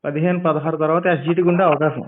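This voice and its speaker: A man's voice: fairly high pitch, steady tone, racing. A man pressing persistently with questions as a reporter on a recorded phone call. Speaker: channel reporter calling a helpline.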